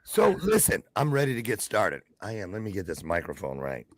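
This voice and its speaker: A man's voice: lowish voice, huge pitch swings, a little fast, dry recording. Chatty, playful male talk show host. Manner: chatty, upbeat, playful showman. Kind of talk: casual live online show chat.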